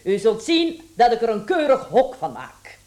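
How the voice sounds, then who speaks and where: A woman's voice: fairly high pitch, very animated, moderate pace, a little mellow. An actress playing a fearless, chatty charwoman with a sly, cheeky manner in a radio drama. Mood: servile, cheeky. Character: brash, chuckling, fearless charwoman with a sly streak.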